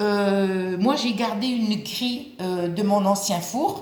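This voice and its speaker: A woman with an Algerian accent speaks at a very slow pace and a medium pitch, with ordinary pitch variation. Noticeable background noise and audible room echo are present. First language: Arabic (speaking French). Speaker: spiritual ritual instructor. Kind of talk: tutorial. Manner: hesitant, many fillers; casual.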